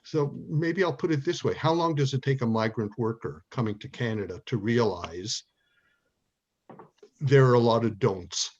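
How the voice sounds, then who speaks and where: A man moderating an online panel discussion. He talks in a halting way, full of "uh" and "um" and restarts. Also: mid-range voice, darkish tone, slightly rough, dull audio.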